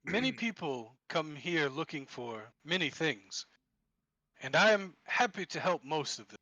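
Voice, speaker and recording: A man voicing a kindly old male temple elder in a robe, speaking politely and in measured phrases. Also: on the high side, sing-song, pushed and bright, no room sound. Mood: grateful, measured.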